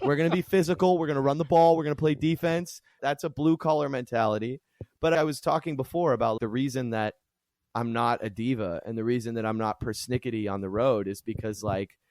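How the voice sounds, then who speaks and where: Very fast and full of lively intonation, a man speaks at a medium pitch with an American accent in a dry, close sound with no echo. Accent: Pittsburgh accent, toned down. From Western Pennsylvania, Pittsburgh. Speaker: jazz trumpeter and vocalist. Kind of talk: podcast interview. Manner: animated.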